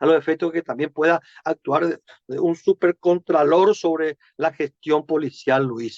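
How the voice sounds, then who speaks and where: A man with a plain, everyday voice speaks at a fairly slow pace and a fairly high pitch. His intonation is fairly even, and the sound is dry and close with no echo. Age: 60s. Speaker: former government minister. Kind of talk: TV interview.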